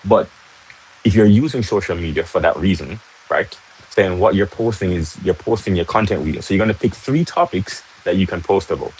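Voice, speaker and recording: A young man from Jamaica, his low voice a little mellow, talks a little fast and expressively as he hosts a casual livestream lesson from home in Jamaica. Chatty and Jamaican-accented, he keeps adding "right?" and welcomes viewers mid-talk. The rough recording carries a little hiss or hum.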